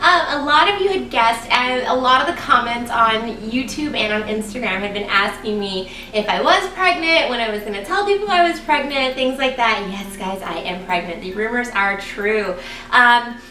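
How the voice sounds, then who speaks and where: A woman vlogging casually to her viewers, chatty and excited, a little raspy and congested from a cold. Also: a little high, normal speed, recorded from a distance, slight background noise. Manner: chatty, excited, lots of ums. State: congested, getting over a cold. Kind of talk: casual vlog talking to viewers. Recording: echoey room, voice a bit off-mic.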